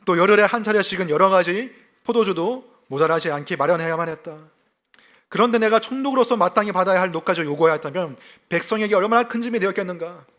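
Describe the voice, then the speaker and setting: A male pastor from South Gyeongsang, South Korea, preaches a lively expository sermon in a high, fast voice. He explains scripture, shares personal stories, and often poses rhetorical questions to the congregation.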